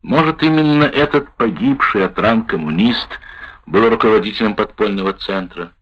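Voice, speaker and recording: A man reading a wartime memoir aloud in the first person, with a measured, expressive delivery. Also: on the low side, slightly rough. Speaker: narrator. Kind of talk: audiobook narration of a wartime memoir. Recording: dull lo-fi recording.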